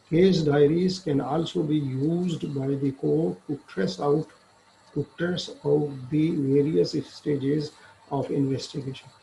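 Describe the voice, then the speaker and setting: A man's voice: on the high side, gravelly, mellow, a little hiss or hum, rough recording. A man with a South Asian accent lecturing on law, reading formal text and explaining it in plain terms.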